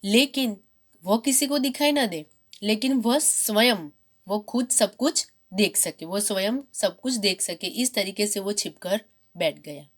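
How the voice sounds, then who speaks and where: A woman teacher reading a children's story from a textbook, then going back over each line to restate it simply. Her voice sits at an ordinary middle pitch, with a steady, explanatory classroom manner. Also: measured pace. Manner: reads each sentence, then repeats and paraphrases it.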